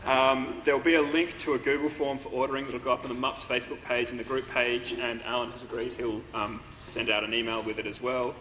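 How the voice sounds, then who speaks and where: A man's voice: mid-range voice, level tone, fairly quick, hardly any pauses, pushed and bright. A young man giving a casual announcement to a class, with frequent ums. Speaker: student society representative. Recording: echoey lecture hall recording with faint noise.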